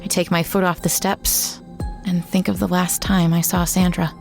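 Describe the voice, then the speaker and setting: Weary, regretful female ex-reporter narrating horror audio drama; lower register, reflective and somber, music underneath. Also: little pitch movement, normal speed, gravelly. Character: weary, regretful woman, small-town former journalist. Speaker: narrator and protagonist.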